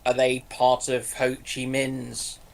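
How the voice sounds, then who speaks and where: A man on a history panel, talking off the cuff in a measured, hesitant way with pauses mid-sentence. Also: medium pitch, completely flat delivery, gravelly. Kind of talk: unscripted history discussion.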